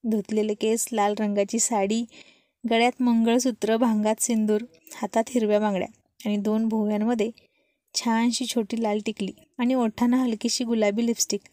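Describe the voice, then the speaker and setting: A woman storyteller narrating a love story in an expressive read-aloud manner. Her voice sits fairly high and is mellow. The recording is dry and close. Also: normal speed, dry recording.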